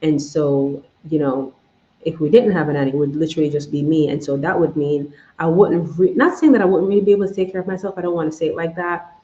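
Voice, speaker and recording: A woman's voice: deep voice, fairly even intonation, fast, dark tone. A woman with a Jamaican accent hosting a live stream, rambling and correcting herself as she talks straight to her viewers. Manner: rambling, self-correcting, addresses viewers directly. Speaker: channel host doing a live Q&A. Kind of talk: casual live-stream chat. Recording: echoey room, slightly dull sound.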